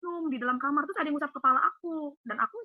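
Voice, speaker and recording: A woman tells her faith testimony over a call, in an emotional, rushed, vivid way. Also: high-pitched. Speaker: guest giving a faith testimony. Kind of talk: casual storytelling over a call. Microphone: phone or video call. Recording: tinny phone line with faint hiss.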